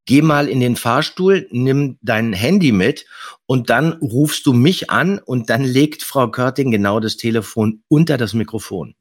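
A man's voice: medium pitch, unhurried, husky, no room sound, studio quality. A man on a podcast panel, explaining things in a casual conversational way.

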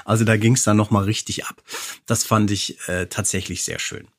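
A man's voice: lowish voice, fairly even intonation, moderate pace, no echo, studio quality. A man hosting a podcast in casual chat, with an amused, self-deprecating manner. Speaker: podcast host.

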